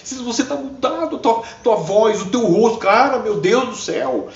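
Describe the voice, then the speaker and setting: A man's voice: very high voice, animated, normal speed, creaky, voice pushed up, full character voice. A man voicing an astonished young woman with a Brazilian accent, who exclaims in disbelief. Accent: Brazilian Portuguese. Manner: incredulous, exclaiming. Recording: distant, echoey, dull.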